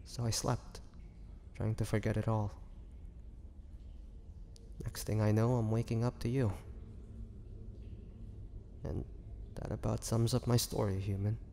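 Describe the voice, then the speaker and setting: A man playing a weary, bitter young half-vampire prisoner in a dramatic audio roleplay, speaking haltingly and sorrowfully. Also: fairly low pitch, little pitch movement, creaky, mellow. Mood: resigned, weary. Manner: slow, halting, sorrowful delivery with sighs and pauses. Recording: long hall reverb, faint noise.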